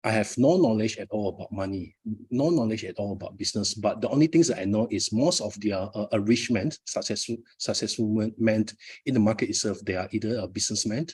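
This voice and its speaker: A man's voice: fairly low pitch, quick pace, a little mellow, husky. A middle-aged Malaysian man, a Malay native speaker, giving a live motivational talk at his book launch with frequent fillers and repeated words.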